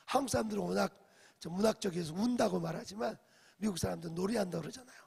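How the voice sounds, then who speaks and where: A male pastor delivers a dawn service sermon in a church sanctuary, his high, creaky, slightly mellow and rough voice moving rapid-fire. He tells the story, acts out quoted speech, questions the congregation, and slips in English phrases, with the hall's echo audible.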